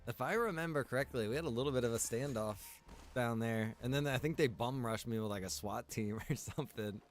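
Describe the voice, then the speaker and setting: A man's voice: medium pitch, fairly quick, soft background music. A man streaming a game, talking in a casual, informal, reminiscing way. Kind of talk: casual chat while streaming roleplay game.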